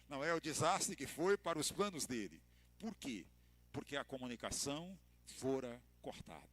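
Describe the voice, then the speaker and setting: A man with a Brazilian Portuguese accent, a pastor giving a church lecture to couples, telling stories with expressive emphasis and light humor. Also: on the high side.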